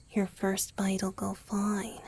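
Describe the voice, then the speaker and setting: A woman voicing a gentle, youthful male vampire boyfriend in a romantic ASMR roleplay, soft and hesitant. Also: medium pitch, heavily acted. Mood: reassuring. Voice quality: soft, breathy, husky. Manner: hesitant, tender, sighing delivery.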